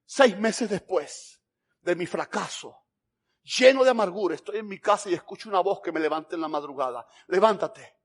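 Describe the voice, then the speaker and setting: A man from Cuba, preaching a sermon and telling a personal story, acting out the dialogue with sudden loud bursts and soft drops. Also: high-pitched, expressive, a little fast.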